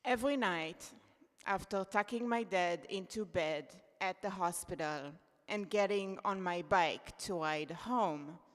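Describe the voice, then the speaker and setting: Slow, measured woman reading aloud. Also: fairly low pitch. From Israel. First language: Hebrew. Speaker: contributor reading at a poetry event. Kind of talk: reading her own essay aloud. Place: event hall. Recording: long reverb of a hall.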